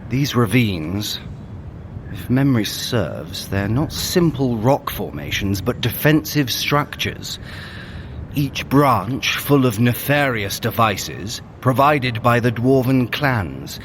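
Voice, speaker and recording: A man's voice: medium pitch, lively intonation, takes it slowly, noisy background. A man playing a wry, fussy trickster god in an audio drama, theatrical and talkative. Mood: musing.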